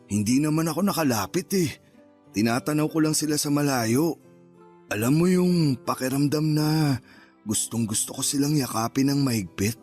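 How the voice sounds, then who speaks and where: Man voicing a sad ex-con dad, middle-aged, quiet and sighing, soft music under. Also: on the high side, moderate pace, natural voice. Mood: wistful. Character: remorseful ex-convict father, middle-aged, longing. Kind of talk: Tagalog radio drama acting, in-character narration.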